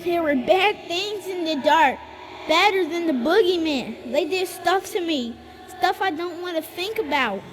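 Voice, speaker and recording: A woman's voice: very high voice, expressive, a little slow. A woman playing a frightened, eerie little boy in a video game, childlike and plaintive. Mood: scared, plaintive. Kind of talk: video game character acting. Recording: noisy, long hall reverb.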